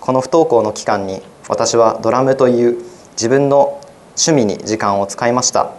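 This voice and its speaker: A teenage boy reads out his own essay for a radio program. His voice sits at an ordinary pitch, and he delivers each sentence in an earnest, measured way. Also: darkish tone. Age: teens. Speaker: high school student.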